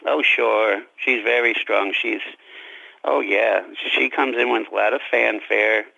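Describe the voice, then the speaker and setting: A man speaking as an interviewed author, chatting reflectively and haltingly about his fiction, on a slightly dull radio-like recording. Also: on the low side, fairly even intonation, vocal fry, sharp tone, no echo. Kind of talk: casual interview chat about his own story.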